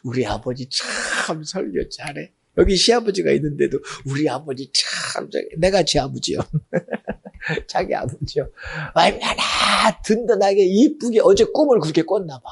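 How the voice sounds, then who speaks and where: Raspy, gravelly Korean pastor preaching. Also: male voice, a little high, animated, a little slow. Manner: swings between loud exclaiming and hushed, almost whispered asides. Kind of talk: sermon.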